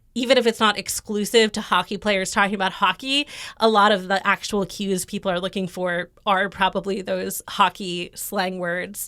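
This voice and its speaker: A woman speaks with an American accent and fairly even intonation. The recording is very clean, with a silent background. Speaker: podcast host, science communicator. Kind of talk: casual podcast chat presenting research.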